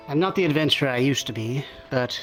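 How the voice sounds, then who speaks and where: A man's voice: mid-range voice, a bit bright, rough recording. A man improvising in-character fantasy roleplay conversation, speaking politely and thoughtfully with some hesitation. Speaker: roleplay player. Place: online virtual reality session.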